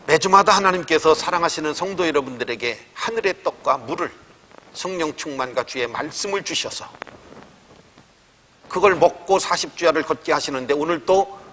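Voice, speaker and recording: A man pastor delivers a sermon in a church sanctuary, his voice fairly high and forceful. He acts out prayers and complaints with mounting intensity. The hall's long reverb trails each phrase. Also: expressive, normal speed, slight background noise. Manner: emphatic preaching, dramatizing prayers with rising intensity.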